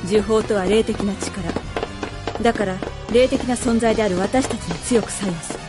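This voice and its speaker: Woman acting a commanding warrior goddess, solemn radio drama delivery, medium pitch, music underneath. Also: moderate pace, lightly acted. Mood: cool, solemn. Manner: solemn, cool, authoritative. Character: stern, commanding battle maiden goddess.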